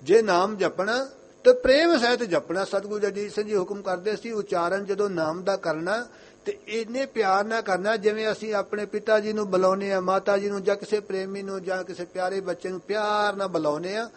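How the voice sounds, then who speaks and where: A young man giving an earnest Sikh sermon, repeating his phrases and reciting scripture lines slowly in a chanting way. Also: high-pitched, fairly even intonation. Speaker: Sikh preacher.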